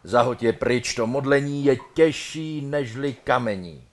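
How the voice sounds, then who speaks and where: A man voicing a dead male lover who loudly and urgently pushes his bride to hurry, partly in coarse slang. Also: medium pitch, voice pushed up, natural voice. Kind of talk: comic dramatic reading.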